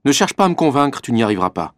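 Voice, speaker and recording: A man's voice: medium pitch, sing-song, very fast, no echo. A man reading a scripted dialogue with a wry, offhand manner and a mid-range voice. The recording is close and completely dry. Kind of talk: scripted dialogue for a language exam.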